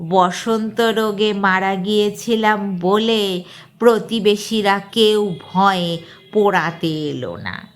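A woman voicing a sly ghostly dead man with a shrill, cracked voice, speaking slowly and eerily. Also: fairly bright tone. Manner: slow, eerie, gloating delivery.

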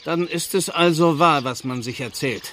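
A man acts a devout village clergyman in a radio drama. The voice sits a little high, earnest and admonishing, with faint noise behind it. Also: normal speed, fairly bright tone, close to an everyday voice. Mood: stern warning. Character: pious, reproachful village clergyman, long-suffering brother. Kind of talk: German radio play acting.

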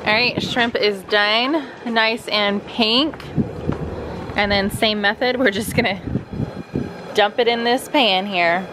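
On an outdoor deck, a thirty-something vlogger chats with her viewers during a cooking video, casually calling them "you guys." Her medium-pitched voice takes things slowly against some background noise.

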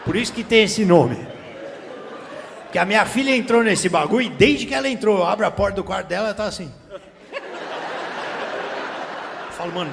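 A Brazilian man performs stand-up on a theater stage with a handheld mic, teasing the crowd in profane slang as the audience laughs. His voice sits high and sounds gravelly. The theater is reverberant, with faint room noise.

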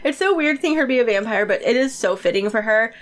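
Female gaming host, high-ish voice, congested with a cold, chatty and informal running commentary. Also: expressive, fast. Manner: chatty, informal, emphatic repetition. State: stuffy-nosed from a cold. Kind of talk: casual game commentary.

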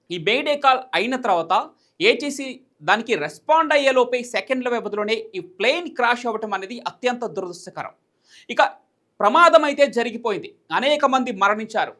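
High-pitched, fast-talking Telugu man presenting news. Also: sharp tone. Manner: repeats and rephrases points in everyday terms, mixing in English words. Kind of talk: explanatory news commentary.

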